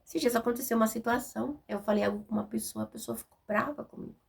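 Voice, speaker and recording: Raspy Brazilian woman preaching casually. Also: on the high side, fast talker. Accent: Brazilian Portuguese. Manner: direct, informal, frequent tag questions. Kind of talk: conversational sermon.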